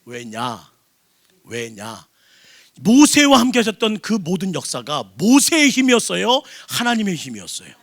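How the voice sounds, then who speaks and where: A senior pastor preaching a sermon in a church service, throwing call-and-response questions at the congregation. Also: male voice, sits high, huge pitch swings, measured pace, vocal fry, fairly bright tone.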